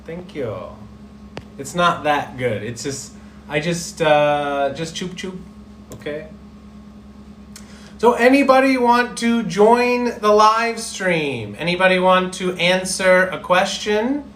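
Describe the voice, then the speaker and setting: Male English teacher, encouraging, a bit high voice, slow talk, roomy echo. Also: fairly bright tone, slight background noise. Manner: encouraging, checks in with "okay?". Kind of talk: live-streamed speaking lesson. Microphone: live stream mic.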